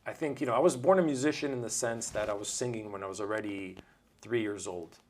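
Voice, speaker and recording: A man's voice: on the low side, fast talker, slight background noise. Chatty man in his forties, Italian native. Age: 40s. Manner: chatty, rambling storyteller. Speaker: guest musician. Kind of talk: casual interview chat.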